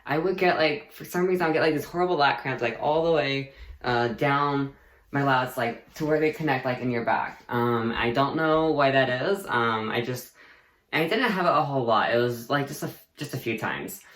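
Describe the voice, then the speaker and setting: A man's voice: medium pitch, moderate pace, a bit bright. A young man vlogging a casual personal update, rambling and chatty with lots of fillers and easy laughter. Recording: echoey room.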